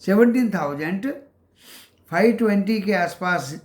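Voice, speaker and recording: A man hosting a stock market channel, giving casual market commentary. He calls his viewers friends and walks through price levels with many pauses. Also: high-pitched, expressive, echoey room.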